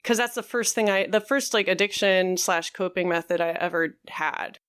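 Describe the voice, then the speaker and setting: A woman co-hosting a podcast, talking frankly in a halting way with many fillers. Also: fairly low pitch, fairly bright tone, smooth. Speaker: podcast co-host. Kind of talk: candid conversational podcast talk.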